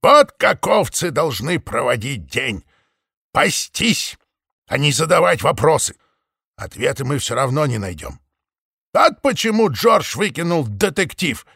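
A man's voice: on the high side, very animated, a little slow, creaky, sharp tone, husky, no room sound, clean studio sound, heavily acted. A man voicing Sir Ritchfield, a stern older ram who drawls and lectures the flock, in a raised voice. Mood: lecturing. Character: stern pompous old ram.

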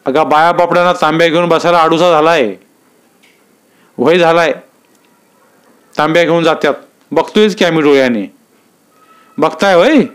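A man's voice: on the high side, normal speed, pauses often, smooth, pitched above the performer's own voice, natural voice. A man voicing anxious rural villagers with rustic, worried speech.

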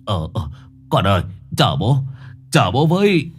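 A man's voice: fairly low pitch, sing-song, unhurried, slightly rough, soft background music, heavily acted. A man voicing a grieving old father who stammers in a choked, tearful voice.

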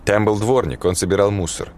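Narrator doing a low crude teacher guy, bossy, cussing a lot. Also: fairly quick, a little mellow, slight background noise, close to an everyday voice. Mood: gruff. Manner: blunt, swearing, lecturing. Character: gruff crude male schoolteacher, middle-aged.

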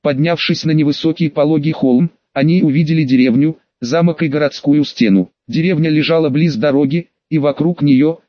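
A man reading an audiobook in an even, descriptive narrating manner. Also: on the high side, fairly quick, hardly any pauses, dry recording. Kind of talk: scripted narration. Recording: dull, dry.

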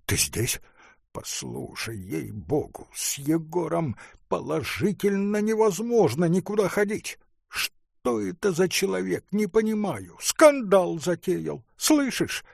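A man's voice: high voice, expressive, takes it slowly, creaky, no echo, clean studio sound, pitched above the performer's own voice, full character voice. A man reading aloud voices an anxious young male medical student who pleads and frets. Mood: worried. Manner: worried, pleading.

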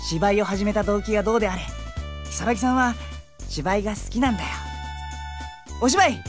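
A woman playing a cheerful, cocky high school boy with a playful, theatrical way of talking, in an anime-style audio drama. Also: brisk, over music, natural voice. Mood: encouraging.

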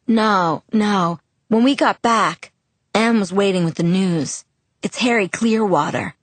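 A woman's voice: mid-range voice, takes it slowly, no echo. A woman reading the part of a protective teenage boy who talks bluntly and scolds with worry. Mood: sombre.

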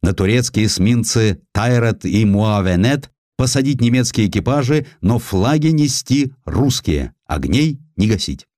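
A belligerent German admiral, acted by a male narrator from a historical audiobook. He declaims impatiently and emphatically, with big swings of pitch. The sound is dry and close. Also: animated, measured pace, hardly any pauses, a little mellow, no room sound. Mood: commanding.

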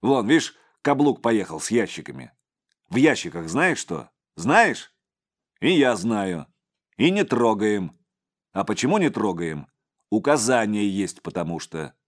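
A man voicing a gruff male policeman in his forties who growls and barks short orders. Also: low-pitched, animated, a little slow, darkish tone. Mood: angry.

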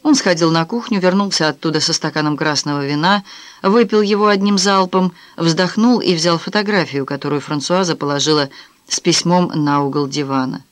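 A woman narrating an audiobook novel in a measured, even reading style. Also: low-pitched, dry recording. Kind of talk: scripted narration.

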